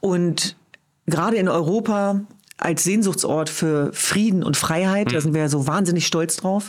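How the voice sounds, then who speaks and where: A plain, everyday voice moves at a moderate pace, with ordinary pitch variation and very even loudness. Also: woman, fairly low pitch for a woman. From Germany. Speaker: human rights activist and journalist. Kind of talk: interview conversation.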